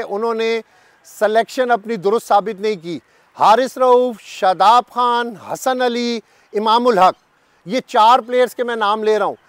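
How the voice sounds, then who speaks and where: A man's voice: very high-pitched, no room sound. A man in his fifties with a Pakistani Urdu accent, a cricket journalist giving emphatic, repetitive commentary straight to camera in a garden. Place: sunny garden outdoors.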